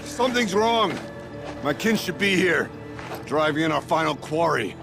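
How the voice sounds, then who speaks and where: An actor playing a proud, stern tribal hunter chief and protective brother in a video game, speaking formally and forcefully. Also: male voice, fairly high pitch, expressive, moderate pace, vocal fry, over music. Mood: uneasy. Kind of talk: video game cutscene acting.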